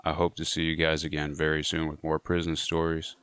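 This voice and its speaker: A man's voice: extremely low pitch, monotone, a little fast, fairly bright tone, clear, resonant tone, no room sound, studio quality. A man telling a prison story to his viewers in a casual, laid-back way, often saying "you know". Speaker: storyteller sharing prison stories.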